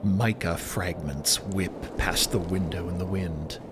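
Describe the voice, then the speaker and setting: A man's voice: sits low, fairly even intonation, slow pace, noisy background. A man narrating for a fiction podcast.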